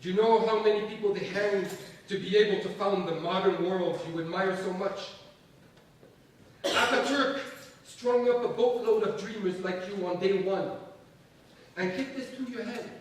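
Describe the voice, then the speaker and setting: A man in a staged reading playing a domineering, menacing secularist strongman, emphatic and theatrical, with deliberate pauses. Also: high-pitched, distant mic, natural voice. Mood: menacing lecturing. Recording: echoey stage from afar, faint noise.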